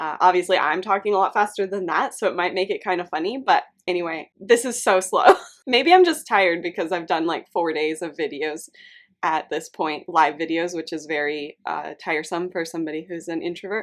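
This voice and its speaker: A woman with a fairly low pitch and ordinary pitch variation speaks at a fairly quick pace on a very clean recording with a silent background. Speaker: witchcraft content creator. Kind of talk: casual commentary on own video. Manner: fast-talking.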